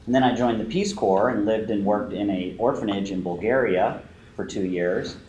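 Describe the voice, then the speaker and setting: Man co-presenting, steady and matter-of-fact, roomy echo, faint hiss. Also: on the low side, normal speed, lo-fi sound. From US, Bay Area. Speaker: co-presenter, video producer. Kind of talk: prepared presentation. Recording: echoey room, faint noise.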